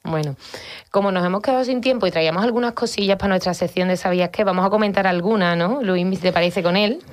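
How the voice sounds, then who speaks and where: A woman's voice: mid-range voice, fast. A woman hosting a radio program, interviewing a guest and prompting him with short encouraging remarks. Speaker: radio host. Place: radio studio.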